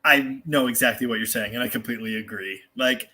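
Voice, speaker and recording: A man's voice: medium pitch, brisk, pushed and bright, breathy edge. An American man hosting a casual live car show, answering viewer comments in a rambling, candid, self-deprecating way. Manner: mild swearing.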